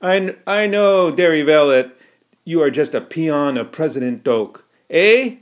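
Man putting on a pompous foreign moon officer, raised pitch. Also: animated, unhurried. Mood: condescending. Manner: broken English with odd consonant sounds. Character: pompous lunar army officer, man, foreign, speaking through trumpet.

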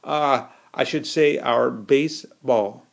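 A man's voice: medium pitch, slow pace, creaky. A man voicing a cheeky, glib young American soldier in an audiobook, with folksy slang and a wheedling way of talking. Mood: breezy.

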